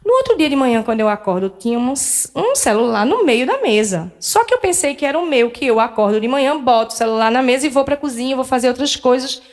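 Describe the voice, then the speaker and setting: A woman's voice: sits high, sing-song, quick pace, hardly any pauses. A middle-aged woman, telling a personal story as a lecturer at a spiritist center, candid and self-deprecating, acting out dialogue with shifting voices. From Northeast Brazil.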